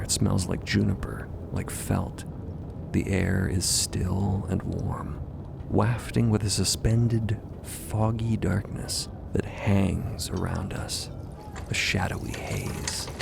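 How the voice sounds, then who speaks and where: Slow, gravelly, low-voiced male narrator. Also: background noise. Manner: measured, atmospheric, deliberate. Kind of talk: dramatic scripted story narration. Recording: loud music bed behind the voice.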